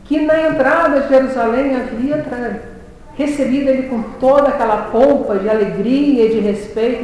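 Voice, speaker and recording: A woman giving a reflective religious talk, reading scripture aloud slowly and solemnly. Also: on the high side, a little mellow, a little hiss or hum. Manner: reads scripture aloud in a slow, solemn cadence. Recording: very echoey hall.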